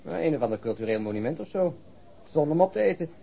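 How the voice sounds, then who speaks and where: An actor playing a sardonic police detective who has quit smoking and makes dry, sarcastic jokes. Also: male voice, on the high side, animated, fast talker, vocal fry, warm tone. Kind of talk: radio drama acting.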